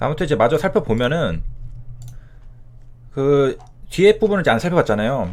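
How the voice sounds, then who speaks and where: With long, frequent pauses, a man talks at a fairly quick pace in a fairly high voice that makes very wide pitch swings. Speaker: stock market YouTuber. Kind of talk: casual market commentary. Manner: stammering, halting.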